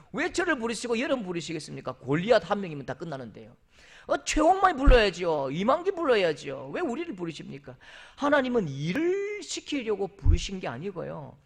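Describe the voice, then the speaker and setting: A pastor from South Korea preaches in a church sanctuary with a high, lively voice that leaps up and down in pitch. Animated and playful, he acts out other people's voices with big pitch jumps to make his point.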